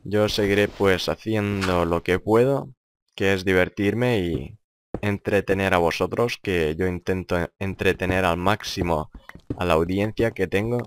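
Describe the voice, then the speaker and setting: A man's voice: measured pace, a little hiss or hum. A young man with a grave voice, improvising casual gameplay commentary in a serious, rambling way and often repeating himself. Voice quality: deep, grave voice. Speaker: gaming video creator.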